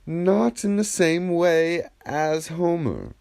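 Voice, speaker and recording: A man's voice: fairly high pitch, takes it slowly, creaky, a little mellow, smooth, voice pushed up. A man voicing a proud, eager Greek performer who boasts and answers emphatically in an audiobook dialogue. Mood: confident agreement. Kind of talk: audiobook reading of philosophical dialogue.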